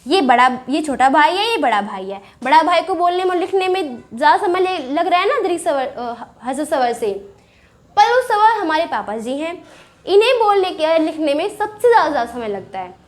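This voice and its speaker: A woman's voice: high voice, very animated, normal speed. A woman with an Indian accent teaching a casual grammar lesson, chatty, asking questions and answering them herself.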